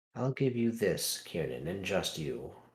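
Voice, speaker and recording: At a moderate pace, a man delivers a put-on character voice with a fairly low pitch. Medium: actual play. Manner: measured, gentle, philosophical.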